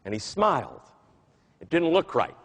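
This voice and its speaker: A man giving a talk to an audience, telling an animated story and acting out the voices he quotes. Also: on the high side, normal speed, a little hiss or hum, low-quality recording. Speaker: keynote speaker.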